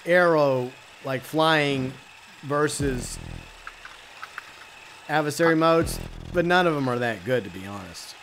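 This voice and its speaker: A streamer man chats loosely while playing, full of fillers and side remarks. His voice sits somewhat high for a man. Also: slow, long pauses, a bit bright, slight background noise, rough recording. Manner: rambling, chatty, many fillers and asides. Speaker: streamer host. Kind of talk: casual live-stream gaming chat.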